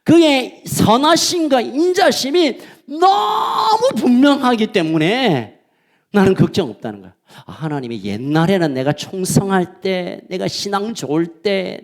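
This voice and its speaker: A male pastor preaching a sermon in a church, swinging between loud, fervent lines and soft asides. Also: fairly high pitch. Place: church sanctuary.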